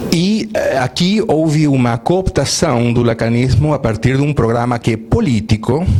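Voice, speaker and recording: A man in an Argentine accent at a moderate pace, with lively intonation, hardly any pauses and noticeable background noise. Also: medium pitch for a man, very even loudness. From Argentina, Buenos Aires. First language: Spanish (speaking Portuguese). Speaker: psychoanalyst. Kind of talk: lecture. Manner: halting, many fillers.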